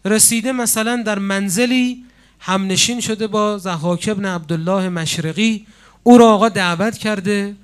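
Impassioned high-voiced male preacher. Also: clean tone. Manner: impassioned, with dramatic pauses and sudden swings in loudness. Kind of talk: religious sermon.

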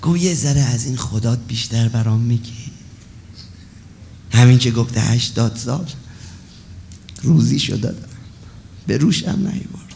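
A man preaching an emotional storytelling sermon at a religious gathering, swinging between loud passages and hushed ones. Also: mid-range voice, vocal fry, pauses often, a little hiss or hum.

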